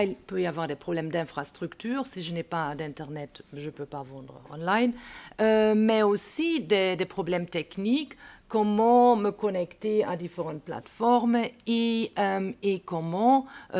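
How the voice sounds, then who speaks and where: Female economist, non-native speaker, measured and halting delivery, gravelly texture. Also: medium pitch, animated, darkish tone. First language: not French. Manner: careful, deliberate, searching for words. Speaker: panelist, economist. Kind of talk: panel talk.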